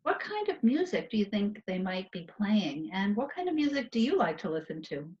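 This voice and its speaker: Speaking from home on a video call, a middle-aged woman curator talks about art in an educational way and asks viewers questions. Her mid-range voice has a darkish tone, big pitch swings, and normal speed, captured in dull, lo-fi quality by a computer mic.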